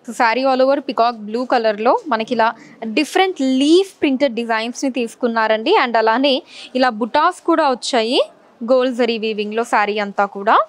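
Woman showcasing sarees. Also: fairly high pitch. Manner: steady, polite listing of colors and prices. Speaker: saree store presenter. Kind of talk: product showcase. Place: large saree showroom, indoors.

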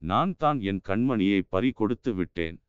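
A wailing, grief-stricken old sculptor father , as a male narrator puts him on, lamenting in a low, very clear voice. The audiobook recording sounds dull and lo-fi with a dry, close sound. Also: lively intonation, moderate pace, no room sound, close to an everyday voice. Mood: anguished.

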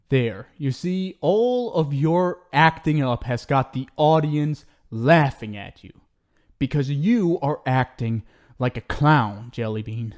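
A man's voice: medium pitch, lively intonation, takes it slowly, long pauses. A man playing an obsessive, unhinged talk show host in an ASMR roleplay, cooing and theatrical, syrupy and menacing. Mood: mocking, sweet. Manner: cooing, theatrical, swinging between sweet pet names and pleading. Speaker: audio roleplay performer.

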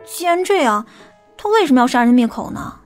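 A woman's voice: sits high, lively intonation, fairly quick, faint music behind. A woman playing a stern, impatient police detective in an audiobook drama. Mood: heated.

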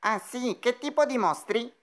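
Woman voicing a high, bossy little monster prince. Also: expressive, measured pace. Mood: curt. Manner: curt, commanding, nonchalant. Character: small monster prince boy, bossy, unafraid, independent. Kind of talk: cartoon fandub acting. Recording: noisy track with clicks.

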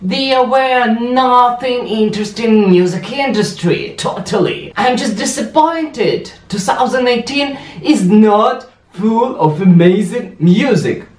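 A man's voice: very high-pitched, lively intonation, takes it slowly, few pauses. Exuberant Ukrainian man in an echoey room. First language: Russian and Ukrainian. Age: young adult. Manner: exuberant, exclamatory, gesturing a lot. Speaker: music reaction YouTuber. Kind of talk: music reaction vlog. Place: small indoor room. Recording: roomy echo, faint music behind.

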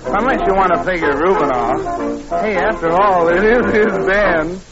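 A man's voice: high voice, measured pace. A man doing 1930s radio variety show patter and song, welcoming the star. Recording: dull old 1930s radio recording. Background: loud band music.

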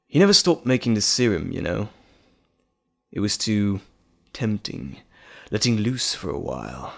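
A man playing a menacing, teasing monstrous alter ego in a dramatic audio roleplay, theatrical and mocking, drawling with dramatic pauses. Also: on the low side, very animated, creaky, fairly bright tone, full character voice. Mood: smug, insinuating.

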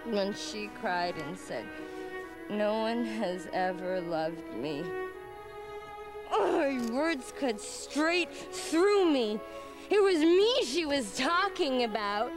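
An actress playing a scornful, wounded young gypsy psychic in a dramatic video game cutscene. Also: female voice, fairly high pitch, very animated, takes it slowly. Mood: anguished. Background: music.

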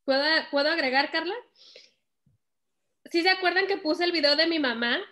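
A woman with a very high voice speaks up from the audience at a workshop. She tells her story in a chatty, animated way, heard from a little farther off the mic. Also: normal speed. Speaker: workshop participant. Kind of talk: casual chat.

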